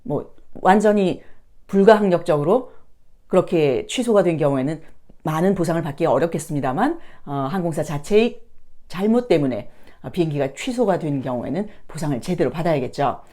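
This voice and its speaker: A woman's voice: sits low, expressive, a little fast, dark tone. A woman giving an instructional lesson as a teacher and host, politely explaining and carefully pronouncing example phrases. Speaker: English teacher and video host.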